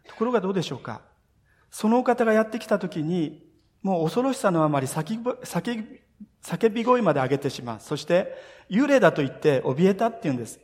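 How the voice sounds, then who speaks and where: Speaking fast in a high voice with big swings in pitch, this pastor delivers a sermon as heartfelt storytelling aimed straight at the congregation. Scripture quotes are voiced aloud, and the long echo of the church hall hangs over every line.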